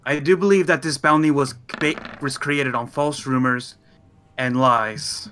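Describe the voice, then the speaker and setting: A man's voice: mid-range voice, steady tone, a little slow, sharp tone, slight background noise. A man playing a tabletop roleplaying game, earnestly describing what his character says in somewhat formal phrasing. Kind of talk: casual chat, describing his character's speech.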